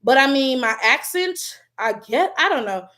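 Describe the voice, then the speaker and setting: A Detroit-accented YouTuber reads her livestream's chat comments aloud in a high-pitched, sharp voice with lively intonation at normal speed. She's casual, loose, and slangy, laughs often, and her voice cracks.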